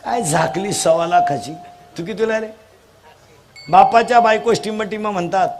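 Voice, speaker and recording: A man leading a comic devotional kirtan, teasing the crowd and quizzing children, urging them to answer loudly. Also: high-pitched, normal speed, music in the background. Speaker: kirtan preacher. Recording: live crowd with faint noise.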